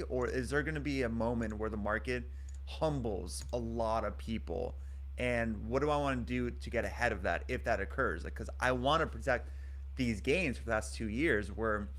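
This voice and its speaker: A man's voice: medium pitch, fairly bright tone. A man from Los Angeles co-hosting a casual market talk show, candid and self-deprecating in a chatty way. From Los Angeles, United States. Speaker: co-host.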